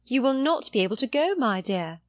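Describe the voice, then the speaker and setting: A woman's voice: fairly high pitch, sing-song, brisk, dry recording, pitched above the performer's own voice. A woman voicing a placid, trivial-minded married lady in a period novel audiobook, chatting in a mildly fretful manner. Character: placid, trivial-minded middle-aged married lady, fussy about clothes.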